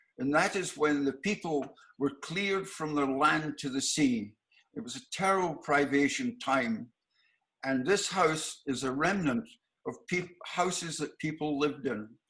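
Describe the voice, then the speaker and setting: A man with a Scottish accent talks at a fairly slow pace. His pitch is fairly high and his intonation lively. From Scotland. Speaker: glass artist. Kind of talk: artist talk with slideshow.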